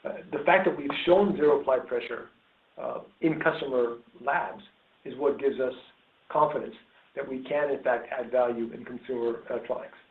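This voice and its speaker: A male executive fields questions on an earnings call, pausing often and filling gaps with ums. His voice comes through a narrow phone-like connection with a noticeable echo of the room. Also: mid-range voice. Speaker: company executive. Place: conference call.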